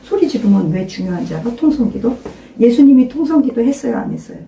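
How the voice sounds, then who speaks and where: A woman's voice: on the high side, very animated, fast, a little hiss or hum. Emphatic older woman pastor, roomy echo. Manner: emphatic, questioning listeners, urging loud prayer. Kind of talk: informal sermon to a small congregation. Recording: roomy echo, mic at a distance.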